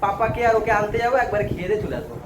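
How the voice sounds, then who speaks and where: A man's voice: high voice, sing-song, racing, echoey room, heavy background noise. A man chatting through a casual family vlog, teasing and talking with his family off camera. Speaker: vlogger, father.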